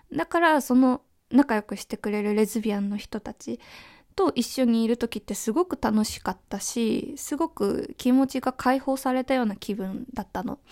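A woman with a high pitch speaks in a calm tone at a moderate pace with ordinary pitch variation. The very clean recording has a dry, close sound with no echo and a silent background. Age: 20s. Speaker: podcast host. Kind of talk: solo monologue.

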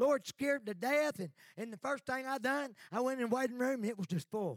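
With a Southern US accent, a man speaks at a fairly quick pace in a dry, close sound with no echo. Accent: Southern American. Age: 60s. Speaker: pastor. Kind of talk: sermon. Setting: church. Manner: animated.

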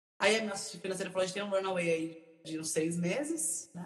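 Very fast talk from a woman, fairly low in pitch, with ordinary pitch variation. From São Paulo, raised by northeastern family. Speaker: entrepreneur, community builder. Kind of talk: casual interview chat on a livestream.

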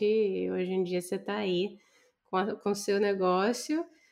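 A woman's medium-pitched voice in a Brazilian accent, very slow in pace, with fairly even intonation. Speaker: podcast host. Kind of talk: casual interview.

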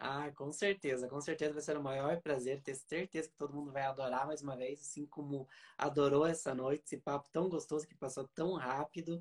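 Recorded with a dry, close sound and no echo, a man talks at a fairly quick pace and fairly high pitch, with monotone, flat intonation and hardly any pauses. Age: 20s. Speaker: podcast host and therapist. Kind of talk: live-streamed interview. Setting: Instagram live stream.

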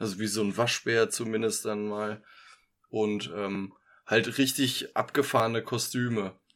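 At a fairly slow pace, a man talks in a fairly low voice with fairly even intonation. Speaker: true crime podcast co-host. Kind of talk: casual chat. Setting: video call. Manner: soft.

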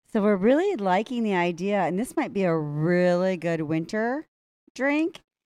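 Lively intonation marks this woman's medium-pitched voice, delivered in a Wisconsin accent. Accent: mild Wisconsin. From US Midwest, Appleton, Wisconsin. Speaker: teacher and beer enthusiast. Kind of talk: casual chat.

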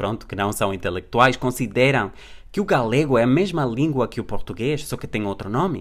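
A man's lively intonation amid audible room echo. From Canary Islands, Spain. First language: Spanish (speaking Portuguese). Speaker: language teacher. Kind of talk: educational podcast lecture. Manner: halting, with frequent fillers.

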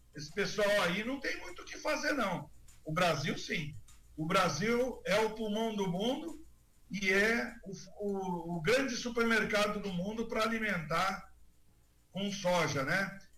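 In a room with audible echo, a man projects a raised, high-pitched voice with lively intonation. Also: fairly slow pace. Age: 50s. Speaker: accountant and auditor. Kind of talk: radio panel discussion.

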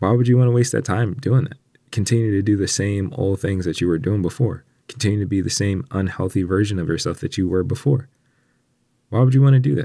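A man's fairly low voice, dark and mellow in tone, with ordinary pitch variation and a very fast pace. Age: 30s. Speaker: podcast host. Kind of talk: solo motivational talk. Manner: casual, with many fillers.

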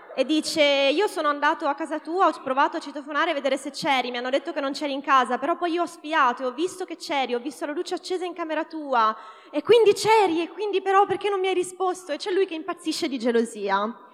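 Talking at a very fast pace with lively intonation, a woman's high-pitched voice comes through noticeable background noise. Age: 30s. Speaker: podcast host. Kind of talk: casual chat. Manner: halting.

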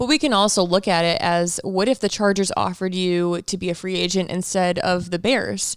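With an American accent, a woman with a normal speaking voice and a medium pitch talks at a fairly quick pace with hardly any pauses and ordinary pitch variation. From Michigan. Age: 20s. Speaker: podcast co-host. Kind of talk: casual chat.

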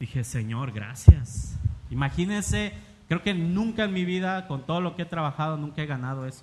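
This man talks at a moderate pace in a fairly high pitch, with lively intonation, big swings in loudness and a somewhat breathy sound. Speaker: missionary preacher. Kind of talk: sermon.

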